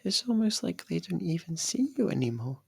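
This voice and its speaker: A performer voicing a possessive, lovestruck young faerie royal in an intimate ASMR roleplay, speaking softly and haltingly. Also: mid-range voice, big pitch swings, vocal fry, slightly rough, dry recording, studio quality, full character voice. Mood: worried. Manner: hesitant, halting, soft and pleading.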